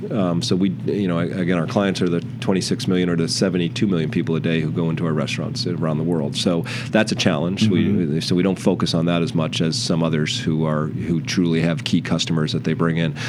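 The speaker has an American accent and talks at a fairly quick pace with hardly any pauses, ordinary pitch variation and very even loudness, amid noticeable background noise and audible room echo. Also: man, very deep, low pitch for a man. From US East Coast. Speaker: corporate sponsorship executive. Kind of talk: interview. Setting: office.

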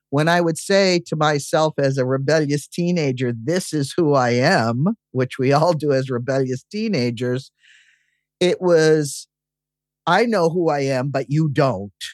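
A man with an American accent talks at a fairly slow pace in a fairly high pitch with ordinary pitch variation. He has an ordinary speaking voice, and the sound is dry and close with no echo. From Massachusetts. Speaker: memoirist and rock musician. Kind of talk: interview conversation.

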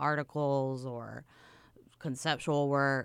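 The speaker talks very slowly with a Southern US accent and a monotone, flat intonation. The recording is very clean, with a silent background. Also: woman. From US South. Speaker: photographer. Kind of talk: casual chat. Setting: studio.

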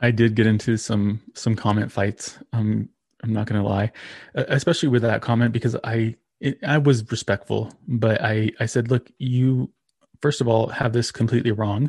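A man talks at a moderate pace in a medium pitch, somewhat breathy and fairly even in intonation, with a dry, close sound with no echo. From New Mexico. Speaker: podcast host and victim advocate. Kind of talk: interview testimony.

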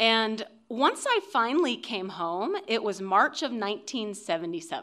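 A woman with an American accent speaks at a fairly slow pace in a fairly high voice, her bright, sharp tone sweeping through very wide pitch swings on a very clean recording with a silent background. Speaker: gym owner and storyteller. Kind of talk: live storytelling. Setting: stage with audience.

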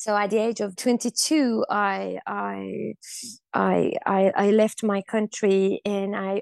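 With a Persian accent, a woman speaks in a dry, close sound with no echo against a quiet background. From Iran. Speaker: actress. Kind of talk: interview.

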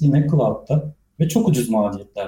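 Somewhat breathy, with a dark, mellow tone. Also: man. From Turkey, Diyarbakır. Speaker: software engineer. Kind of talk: interview.

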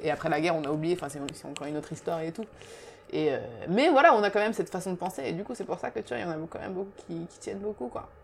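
A woman talks at a very fast pace with lively intonation and big swings in loudness, over noticeable background noise. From France (Paris), Japanese-raised. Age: 20s. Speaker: tattoo artist. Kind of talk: casual interview. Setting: tattoo studio in Paris. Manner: halting, lots of fillers.

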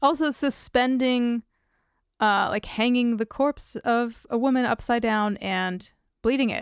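At a fairly slow pace, a woman with an American accent speaks at a high pitch with fairly even intonation, in a very clean recording with a silent background and a dry, close sound with no echo. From New Jersey. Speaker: podcast co-host. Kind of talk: casual chat.

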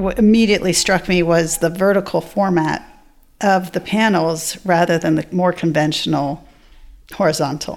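A woman with a fairly low pitch and an American accent has a normal speaking voice, talking at a moderate pace with fairly even intonation. Her loudness stays very even in a very clean recording with a silent background. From Virginia, US South. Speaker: TV director. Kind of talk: interview.

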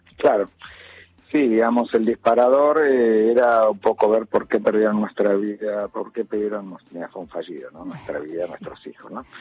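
In a normal speaking voice with a dry, close sound and no echo, a man speaks at a medium pitch and moderate pace, with ordinary pitch variation and big swings in loudness. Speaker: road safety activist, bereaved parent. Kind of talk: radio interview.

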